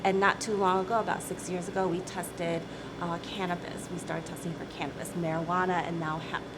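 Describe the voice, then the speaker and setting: A woman's voice: on the low side, level tone, a little fast, heavy background noise. A woman in her late thirties, a company CEO from South Korea, talking casually in an interview, chatty, laughing easily and often asking "right?".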